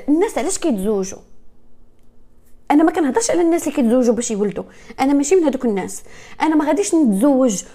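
A woman's voice: a little high, mellow. A woman with a Moroccan accent speaking earnestly to her viewers about her own experience, dropping French and English words into her speech. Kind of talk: personal talk to viewers.

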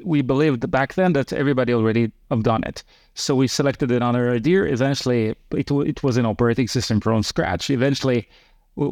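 A man talks through an interview in a halting, filler-heavy way, often restarting his sentences. His voice sits at a middling pitch. The sound is dry, with no room echo. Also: darkish tone. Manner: hesitant, many fillers and restarts. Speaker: guest, company co-founder and CEO. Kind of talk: casual interview conversation.

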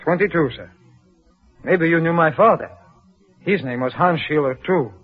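A respectful young refugee man, polite and bitter, speaking in a fairly high, husky tone. The sound is muffled and dull, like an old radio broadcast. He talks in the earnest manner of 1940s radio acting. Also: normal speed, soft background music. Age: 20s. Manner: polite, says sir.

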